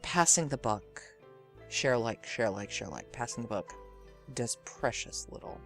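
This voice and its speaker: A man's voice: mid-range voice, lively intonation, measured pace, fairly bright tone, faint music behind. A man hosting a podcast, talking informally and directly to listeners in an earnest, emphatic, rambling way. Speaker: podcast and radio drama host.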